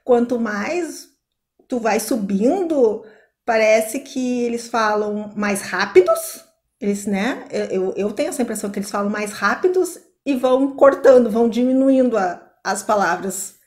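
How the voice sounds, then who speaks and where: A woman with a strong Porto Alegre accent chats as a co-host, throwing in quick asides. Her voice sits slightly high for a woman. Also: lively intonation, a little mellow. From Porto Alegre, Brazil. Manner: chatty, quick asides, laughs easily. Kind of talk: casual chat.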